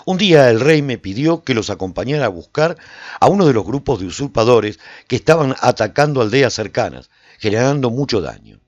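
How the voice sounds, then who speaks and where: A man playing a reflective survivor, narrating a post-apocalyptic radio serial in the first person in a measured, dramatic way. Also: medium pitch, expressive, no room sound, highs cut off, close to an everyday voice. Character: reflective male survivor recounting life in a post-apocalyptic walled city.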